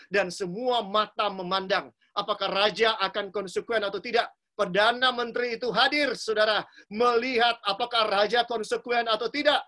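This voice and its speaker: A man preaching a sermon in a high, bright voice that cuts through. He tells a story dramatically, speaking straight to his congregation and acting out the quoted lines with growing intensity. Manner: dramatic, addresses listeners as "saudara"; acts out quoted characters with rising intensity. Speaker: pastor.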